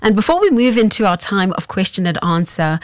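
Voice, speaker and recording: Soft-spoken female radio co-host. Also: mid-range voice, very animated, brisk, no room sound, studio quality. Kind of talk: radio ministry hosting.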